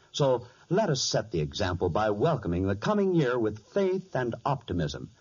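A man's voice: lowish voice, darkish tone, breathy edge. A man announcing and narrating in a formal, emphatic 1940s radio style. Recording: muffled 1940s radio recording.

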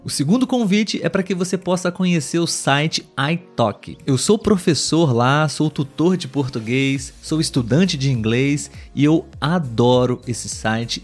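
Brazilian male podcast host and tutor, slightly higher voice, clear and patient, faint music underneath. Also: darkish tone. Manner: clear, patient delivery with frequent check-in tags to listeners. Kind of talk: solo educational podcast monologue for learners.

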